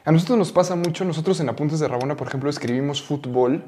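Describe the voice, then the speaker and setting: A man's voice: a little high, fast, warm tone, a little hiss or hum. A man from Mexico co-hosting a football podcast in casual chat, friendly and asking questions. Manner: friendly, interjecting, asks questions. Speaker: podcast co-host.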